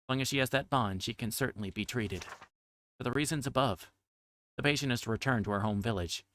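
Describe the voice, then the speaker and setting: A man's voice: medium pitch, brisk, a bit bright, a little hiss or hum. A man livestreaming a game, reading its text aloud and sometimes stumbling over difficult words.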